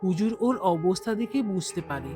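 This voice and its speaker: A woman's voice: fairly low pitch, expressive, brisk, music in the background, natural voice. A woman playing an earnest young madrasa schoolboy in a cartoon. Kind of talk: scripted cartoon acting.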